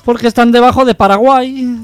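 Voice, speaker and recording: Guy on radio doing riddle jokes, catalan spanish accent, high bouncy voice, music clearly behind him. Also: fairly even intonation, a little fast. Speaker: radio comedy co-host.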